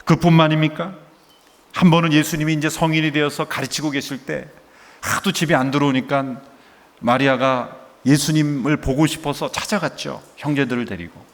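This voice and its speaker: A man's voice: a little high, fairly even intonation, moderate pace. A middle-aged male pastor preaching a sermon with rhetorical questions and acted-out dialogue. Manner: emotive preaching, asks rhetorical questions, acts out quoted dialogue. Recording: long hall reverb.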